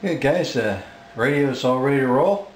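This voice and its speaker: A man giving a casual, plain-spoken narration of his hobby radio restoration, with frequent filler pauses. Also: mid-range voice, lively intonation, slight background noise.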